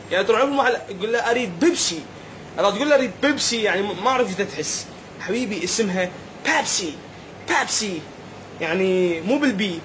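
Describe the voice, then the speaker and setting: Playful Iraqi man with a high voice. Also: a little hiss or hum. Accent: Iraqi Arabic. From Iraq. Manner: playful, joking, mock-puzzled. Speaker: vlogger. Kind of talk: comedic vlog monologue.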